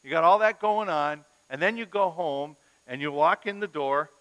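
Bright-voiced middle-aged pastor in a hall. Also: male voice, fairly high pitch, normal speed. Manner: animated storyteller who acts out scenes. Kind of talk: parenting lecture to a live audience. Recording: long reverb of a large hall.

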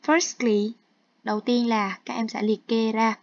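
In an online class, a woman teaching English takes her time going through textbook exercises step by step, mixing English terms into her Vietnamese. Her high-leaning voice holds a level tone. The recording quality is dull, dry and lo-fi.

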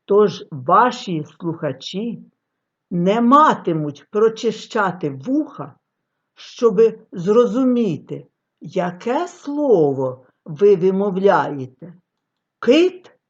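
A woman giving a scripted lecture on artistic reading, with expressive, declamatory delivery and long pauses. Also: mid-range voice. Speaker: reading teacher. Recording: dull lo-fi recording.

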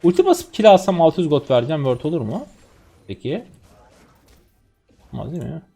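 An excitable young man from Turkey streaming a game and talking straight to his viewers. His voice sits fairly high and leaps around in pitch as he reacts to each play. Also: fairly quick, vocal fry, soft background music. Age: 20s. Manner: excitable, chatty, talks to viewers while playing. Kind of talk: live gameplay commentary.

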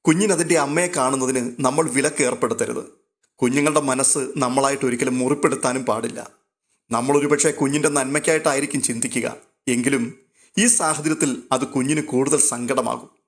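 Soft kind old granny , read by a man narrator, quiet and gentle. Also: mid-range voice, fairly even intonation, fairly quick, lightly acted. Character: kind elderly grandmother, soft-spoken.

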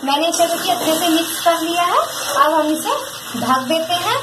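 A woman's voice: very high-pitched, normal speed, reverberant, noisy background. A woman demonstrating a recipe step by step at her home stove, patient, repeating each instruction and speaking directly to viewers. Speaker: home cook presenting a recipe.

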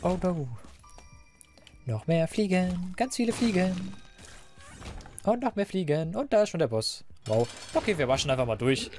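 Chatty, slightly hoarse young man gaming. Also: sits high, animated, moderate pace, long pauses, darkish tone, faint music behind. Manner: chatty, rambling, self-mocking. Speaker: let's player. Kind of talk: casual gameplay commentary. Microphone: desk microphone.

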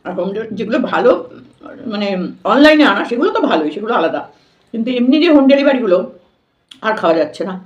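Lady vlogger, talks quick, chatty while eating, kinda dull roomy audio. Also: fairly high pitch, expressive. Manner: chatty, informal, addresses viewers directly. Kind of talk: casual chat to viewers while eating. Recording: echoey room, dull lo-fi sound.

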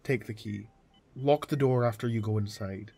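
A man playing a calm, formal hospital doctor in an audio drama, speaking in a measured, matter-of-fact way. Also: fairly low pitch, gravelly, breathy edge. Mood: firm, formal. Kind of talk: amateur audio drama acting.

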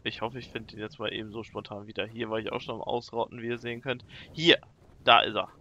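A man commentating his own gameplay in a casual let's-play style, animated and quick to shriek in panic when things go wrong. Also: lowish voice, lo-fi sound, a little hiss or hum.

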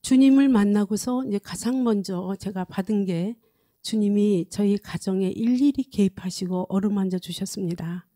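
A woman in her sixties speaks at a mid pitch with a warm, relaxed tone. She shares a personal testimony earnestly and haltingly, often repeating a phrase before moving on. She holds the microphone close. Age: 60s. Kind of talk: personal testimony at a prayer meeting. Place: indoor studio set, standing at a lectern. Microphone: handheld microphone close to mouth.

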